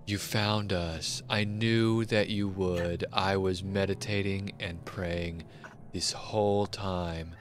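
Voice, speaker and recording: A hammy, earnest yoga teacher woman acted out by a man, gushing with slow, blissful optimism. The voice is lowish but bright, in a tabletop role-play with music behind it.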